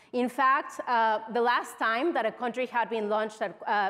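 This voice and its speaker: Speaking at a moderate pace, a woman with a Mexican accent uses a high-pitched voice. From Mexico. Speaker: product executive. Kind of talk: conference keynote. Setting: stage with audience. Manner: halting.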